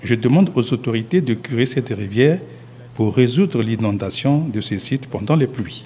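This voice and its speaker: With a plain, everyday voice, a man talks at a moderate pace and medium pitch. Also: ordinary pitch variation. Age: 60s. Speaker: market gardener. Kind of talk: interview testimony.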